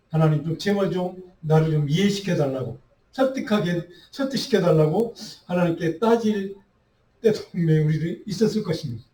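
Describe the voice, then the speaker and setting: A man's voice: fairly high pitch, warm tone. A male pastor preaching a midweek Bible study sermon, earnest and full of rhetorical questions. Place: church sanctuary. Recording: roomy echo, voice heard from a distance.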